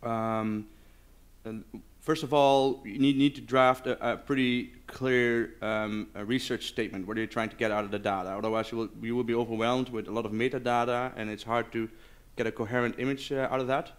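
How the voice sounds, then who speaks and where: A man speaking as a conference presenter, answering audience questions informally and haltingly as he searches for words. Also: medium pitch, steady tone, clear, resonant tone. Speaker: conference speaker, game developer. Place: live conference session.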